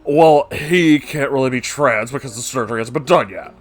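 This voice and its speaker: A man voicing a hurt, clingy and accusing young woman in a read-aloud story, halting and plaintive. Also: medium pitch, faint music behind, lightly acted.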